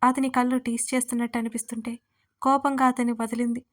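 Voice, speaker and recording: Female narrator, audio serial; fairly high, flat even reading. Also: fast talker. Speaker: storyteller. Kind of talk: scripted story narration.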